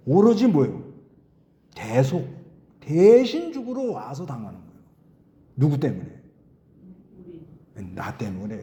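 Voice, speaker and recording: Middle-aged pastor guy preaching, chatty, keeps asking the crowd stuff, bit high voice. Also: warm tone. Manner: conversational preaching, asks the congregation questions. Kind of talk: sermon.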